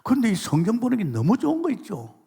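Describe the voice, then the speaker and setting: A middle-aged man preaching from the pulpit of a large church, his slightly husky voice carried by long hall reverb. He swings between emphatic exclamations and hushed asides as he tells his testimony, acting out the voices of the people in his story. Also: high voice, wildly swooping pitch, quick pace. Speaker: pastor. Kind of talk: sermon.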